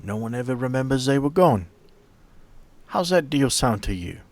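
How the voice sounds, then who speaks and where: A man voicing a friendly, courteous stranger in a tabletop game, smooth-talking and folksy as he offers a deal. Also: medium pitch, very animated, normal speed, no room sound. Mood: smooth, persuasive. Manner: genial, folksy, courteous salesman patter.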